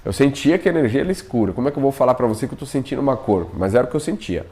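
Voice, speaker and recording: Man telling his story, animated. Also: medium pitch, very fast. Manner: animated, acts out his own past pleas, often asks himself "por quê?". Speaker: vlogger telling a personal experience. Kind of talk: casual spoken storytelling.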